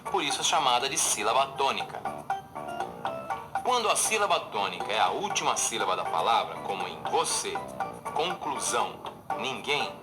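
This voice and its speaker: A man with a Brazilian accent narrates a lesson in a didactic, scripted way, his medium voice moving expressively. Loud music plays under the voice-over. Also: mid-range voice, sing-song, normal speed. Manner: didactic, clear examples.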